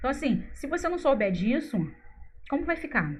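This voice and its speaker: Against audible room echo, a woman talks at a fairly quick pace with high pitch. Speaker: grant-writing consultant. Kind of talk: live stream tutorial. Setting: live stream. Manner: fast; casual.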